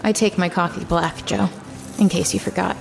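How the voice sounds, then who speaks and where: Actress doing a low brooding woman narrating an audio drama, bitter writer back in her hometown, terse, faint music under it. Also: steady tone, normal speed, creaky. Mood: defiant, bitter. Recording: music behind the voice.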